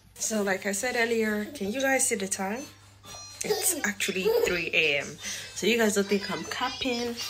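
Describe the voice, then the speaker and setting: Clear music sounds in the background as a woman talks at a moderate pace. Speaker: mother vlogger. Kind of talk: casual vlog chat. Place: home room. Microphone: phone near.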